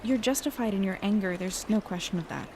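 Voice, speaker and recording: A level-headed young woman, an actress in role, with a medium-pitched voice. She reasons earnestly in casual, conciliatory speech in an audio drama, over faint watery ambience. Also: fairly quick, a little mellow, slight background noise, close to an everyday voice. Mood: earnest, diplomatic.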